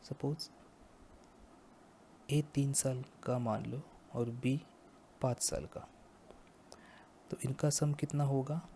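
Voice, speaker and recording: A male teacher slowly explaining a maths lesson step by step, often stopping to ask the class if it is clear. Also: medium pitch, fairly even intonation, warm tone, slight background noise. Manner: slow, explains step by step and checks understanding. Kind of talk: math lecture.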